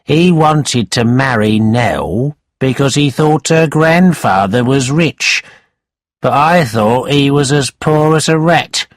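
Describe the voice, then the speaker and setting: A cunning, spiteful schemer, as a man reads him, giving orders in a sly, mocking tone. He speaks slowly with a lively rise and fall, in a dry close sound. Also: medium pitch, dry recording, voice pushed up.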